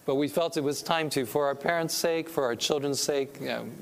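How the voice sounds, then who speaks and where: A middle-aged man from California speaks to a church gathering in the manner of a sermon. His voice sits a touch higher than most men's, and he talks earnestly, climbing upward whenever he presses a point home. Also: fairly quick, gravelly. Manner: earnest, preacherly, rising with emphasis on key points. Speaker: pastor and missionary speaker. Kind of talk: sermon-style talk to a church audience.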